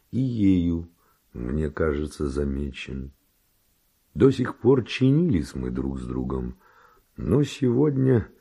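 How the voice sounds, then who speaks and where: An actor playing a bold, passionate Spanish nobleman and seducer in a verse radio drama, declaiming ardently in a gravelly, husky voice. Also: extremely low pitch, dark tone, heavily acted. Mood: jealous, scheming.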